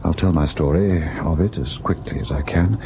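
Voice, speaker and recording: An actor playing a devoted, sorrowful husband in an old-time radio ghost drama, measured and tender in his delivery. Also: a bass voice, warm tone, slight background noise. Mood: wistful, grave. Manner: measured, melancholy narration, tender and indulgent in dialogue. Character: devoted husband recalling a haunted, sorrowful tale.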